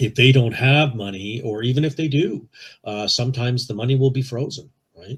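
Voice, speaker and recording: A man's somewhat breathy voice at a medium pitch, with ordinary pitch variation and a fairly quick pace, on a very clean recording with a silent background. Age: 60s. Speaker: funeral planner and social worker. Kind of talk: interview. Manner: halting, many fillers.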